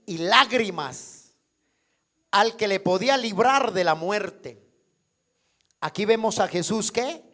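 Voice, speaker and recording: A Colombian male pastor gives a sermon in church, his voice unusually high-pitched for a man, with an animated, sharp tone. He preaches slowly, drawing out key words, and keeps posing questions so the congregation will respond.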